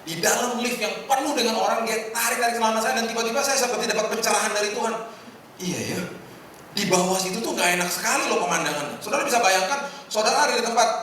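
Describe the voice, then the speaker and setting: High-voiced man preaching in an echoey hall. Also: recorded from a distance. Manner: animated, humorous preaching with acted-out quotes. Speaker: pastor. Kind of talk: sermon. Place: hotel function hall.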